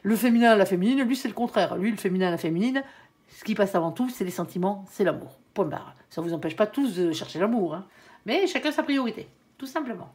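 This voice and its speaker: A woman's voice: medium pitch, animated, fairly quick, a little mellow. A woman with a stuffy, nasal voice, coming down with a cold, giving a casual tarot reading to camera and tagging nearly every phrase with a little filler. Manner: chatty, ends nearly every phrase with "hein". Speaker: tarot card reader.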